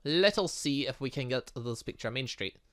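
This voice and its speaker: A man's voice: medium pitch, expressive, normal speed, a bit bright. A British man giving casual, rambling let's play commentary and talking back to the game as he goes. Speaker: gaming channel host.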